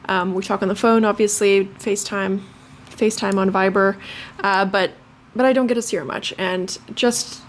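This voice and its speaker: A woman's voice: mid-range voice, steady tone, moderate pace, slight background noise. A young woman from Lithuania, a native Lithuanian speaker, chatting casually to camera as a vlogger, with many fillers and restarts.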